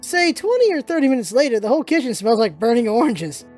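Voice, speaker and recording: A woman's voice: on the high side, very animated, fast talker, darkish tone, faint music behind. A woman playing an easygoing, reluctant but kind soldier in a story reading, talking in casual, slightly hesitant slang. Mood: amused.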